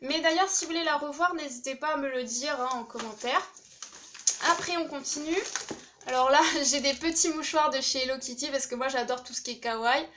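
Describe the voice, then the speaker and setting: A woman's voice: high-pitched, a little fast, fairly bright tone, slight background noise. A young woman chatting casually and enthusiastically as she unboxes craft supplies, with many fillers. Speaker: craft YouTuber opening a swap package.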